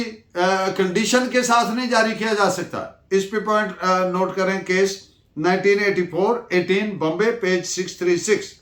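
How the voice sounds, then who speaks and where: High-voiced Pakistani man lecturing, echoey room. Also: pushed and bright. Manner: didactic, poses questions then answers them, switches between Urdu and English. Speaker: law lecturer. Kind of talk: lecture with case-law dictation.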